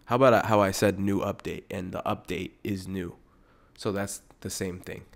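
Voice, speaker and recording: A man's voice: sits low, fairly even intonation, moderate pace, vocal fry. A young man hosting a comedy podcast on his own, rambling, swearing a lot and interrupting himself. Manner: profane, rambling, self-interrupting. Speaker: podcast host. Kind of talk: solo comedic podcast rant.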